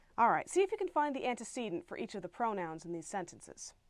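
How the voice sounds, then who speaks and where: A woman with an American accent, medium pitch and a very fast pace over a quiet background. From United States. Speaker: grammar teacher. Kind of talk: lecture. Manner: clear, measured.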